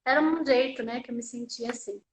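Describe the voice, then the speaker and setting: A woman's voice: a little high, a little fast, echoey room, low-quality recording. A woman interpreting live, voicing a deaf signer's personal story in the first person, in a conversational way with frequent tag questions and repeated phrases.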